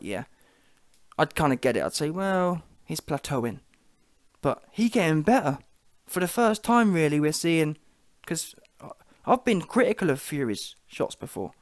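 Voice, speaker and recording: A man's voice: fairly high pitch, big pitch swings, normal speed, no room sound, clean studio sound. A man with a London accent giving an informal, opinionated boxing reaction, slangy and emphatic, repeating his points for effect.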